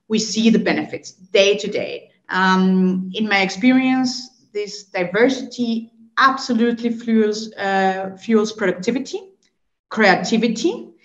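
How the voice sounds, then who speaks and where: A woman's voice: medium pitch, roomy sound, dull audio. A woman in her thirties from Colombia, a consulting executive answering podcast interview questions fluently, often checking in with "right?". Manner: fluent, explanatory, frequent "right?" and "um" fillers.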